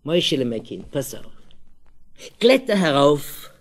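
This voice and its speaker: A sly old-world father coaxes his son in slow, drawn-out phrases, as a man acts him out. He is soft and patient on the surface and wheedling underneath. It is told as a live stage joke. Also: a little high, very animated. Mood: coaxing.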